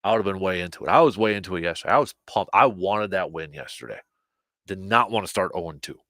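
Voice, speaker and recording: Man, sports talk host, low voice, slightly hoarse, animated, dry close sound. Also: fast talker, dry recording. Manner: animated, repeats words, restarts sentences. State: slightly hoarse, losing his voice. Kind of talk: casual sports talk show.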